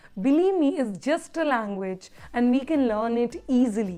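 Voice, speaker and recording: Music plays in the background as a woman speaks with an Indian accent. Her high voice has lively intonation and a fairly slow pace. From Delhi, India. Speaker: teacher. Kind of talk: casual talk to camera.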